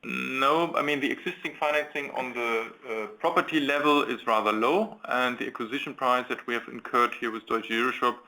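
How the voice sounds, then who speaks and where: A man's voice: mid-range voice, brisk, hardly any pauses, sharp tone, low-quality recording. A man speaking as a company executive, giving unscripted answers to analysts on a conference call.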